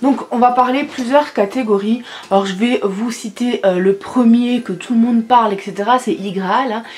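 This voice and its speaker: Soft-spoken and fairly high-pitched, a woman talks at a moderate pace with ordinary pitch variation over noticeable background noise. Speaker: vlogger. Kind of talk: casual vlog talk. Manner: halting.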